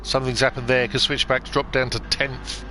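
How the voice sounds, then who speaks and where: A man's voice: medium pitch, level tone, normal speed, background noise. A man doing casual, jokey race commentary who laughs often. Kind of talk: casual sim-racing commentary.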